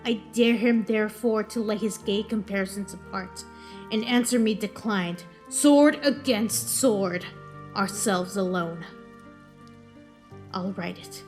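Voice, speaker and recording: A woman's voice: medium pitch, takes it slowly, a little mellow, close to an everyday voice. A woman playing a proud, defiant, aging Roman general in a Shakespearean audio drama, declaiming in a challenging tone. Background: music.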